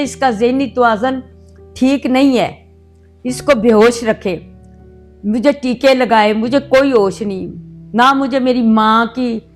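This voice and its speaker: An older woman, sharing a painful life story with heartfelt emotion. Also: fairly high pitch. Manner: heartfelt, reliving painful memories. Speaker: interviewee telling her life story. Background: soft background music.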